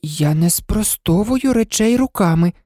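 Woman doing an earnest young girl, timid but argumentative, high lifting voice, storybook. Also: expressive, measured pace, warm tone, dry recording, studio quality. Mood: plaintive. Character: polite, eager young girl.

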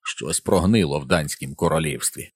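A man's voice: very deep voice, normal speed, breathy edge, no echo, clean studio sound, full character voice. A man voicing a blunt, commanding middle-aged police officer in an audiobook. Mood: stern authority. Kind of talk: audiobook character voice.

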